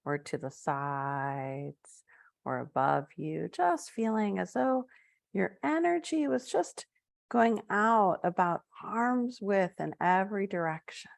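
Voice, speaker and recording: A woman leading a live-streamed guided meditation, talking softly and gently with drawn-out phrases. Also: mid-range voice, vocal fry, no echo, studio quality. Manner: soft, slow guiding with drawn-out phrases and fillers.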